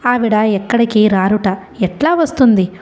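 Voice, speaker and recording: A woman's voice: mid-range voice, moderate pace, a little mellow, lightly acted. A woman voicing a dignified middle-aged mother who answers curtly and firmly. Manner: firm, curt.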